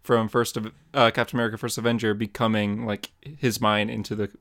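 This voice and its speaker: A man's voice: fairly low pitch, flat delivery, a little fast, fairly bright tone. A man co-hosting a podcast about comics, chatting casually and rambling, with frequent laughs mid-sentence. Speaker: podcast co-host and comic artist. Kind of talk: casual chat.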